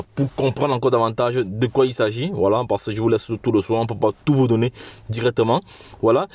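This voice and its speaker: A man with a cold giving an informal promotional pitch as a channel host, halting and often repeating his phrases. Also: darkish tone, no echo. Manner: halting, repetitive, with frequent restarts. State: has a cold.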